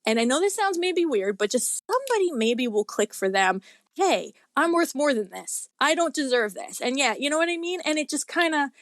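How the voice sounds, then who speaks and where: A woman's voice: sits high, sing-song, normal speed, no room sound, studio quality. A woman speaking as a guest author in a casual interview, talking in an earnest, rambling, tentative way.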